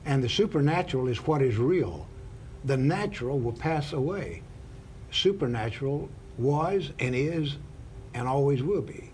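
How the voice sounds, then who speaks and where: A man hosting a Christian television talk show, speaking in a deliberate, sermon-like way with frequent "uh" fillers. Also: mid-range voice, lively intonation, darkish tone, a little hiss or hum. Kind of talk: preachy opening then interview.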